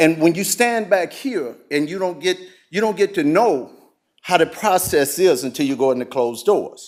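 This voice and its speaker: In a very clean recording with a silent background, a man speaks at a moderate pace in a high pitch. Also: lively intonation. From US South, North Carolina. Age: 60s. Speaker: school board member. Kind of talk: public meeting speech. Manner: impassioned; repetitive stammering.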